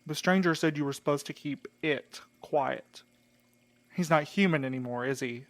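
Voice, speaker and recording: Audio drama role: terse, suspicious male interrogator played by an actor, slightly high-pitched voice, accusing and sceptical. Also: moderate pace, natural voice. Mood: bitter, accusing. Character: guarded, bitter man pressing a captive for answers.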